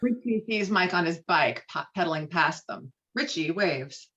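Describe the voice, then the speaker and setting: A woman narrates a screenplay, reading out scene headings and action. Her voice sits fairly low, and the audio is a little dull and lo-fi. It has the feel of a scripted table read. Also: expressive, normal speed, fairly bright tone, slightly rough. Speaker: narrator reading stage directions.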